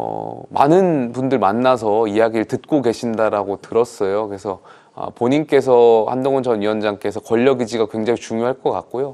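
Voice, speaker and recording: In a dark, mellow tone, a man speaks at a medium pitch and moderate pace with ordinary pitch variation against a quiet background. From Gyeonggi Province, South Korea (Pocheon-Gapyeong); Gyeonggi Province, South Korea. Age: 30s. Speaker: newly elected lawmaker; interview guest. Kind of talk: interview. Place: studio. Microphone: lapel.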